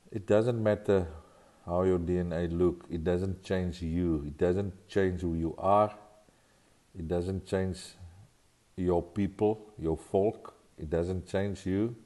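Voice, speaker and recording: A man in his sixties with an Afrikaans accent, a farmer speaking English as a second language in an earnest, deliberate vlog from his home study. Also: low-pitched, dark tone. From South Africa. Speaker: farmer vlogger. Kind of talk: talking-to-camera vlog. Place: home study with bookshelves, indoors.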